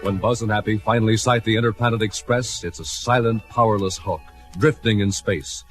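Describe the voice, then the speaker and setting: A man's voice: lowish voice, steady tone, a little fast. A man narrating a classic radio adventure serial in a grandiose, dramatic style. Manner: grandiose, theatrical. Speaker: announcer and narrator. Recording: old radio broadcast, faint music.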